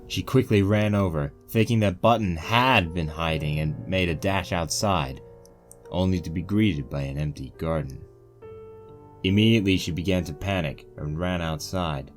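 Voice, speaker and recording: A man reading a scripted story as its narrator. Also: low voice. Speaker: narrator of a fan fiction reading.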